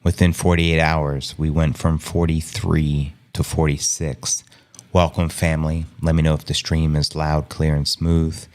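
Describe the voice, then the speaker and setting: A man hosting a live stream, talking in a casual, hushed, low-key way and chuckling often. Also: level tone, measured pace. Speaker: livestream host. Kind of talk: casual live market commentary.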